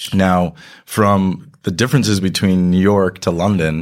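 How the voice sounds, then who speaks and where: Very deep and low, a man's voice comes through on a very clean recording with a silent background. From US Northeast, New Jersey shore. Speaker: software sales leader. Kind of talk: interview.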